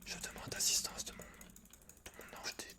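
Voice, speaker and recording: A man's voice: unhurried, pushed and bright. A man whispering casual, slangy ASMR gameplay commentary close to the mic in a teasing way. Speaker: gaming ASMR host. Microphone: close microphone. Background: computer keyboard typing.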